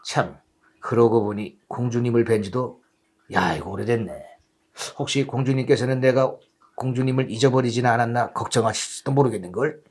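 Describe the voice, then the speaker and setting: A man's voice: mid-range voice, a little fast, a little mellow, voice pushed down, natural voice. A man voicing a gallant, deluded old knight with a solemn, declamatory manner in a storybook tale. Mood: musing.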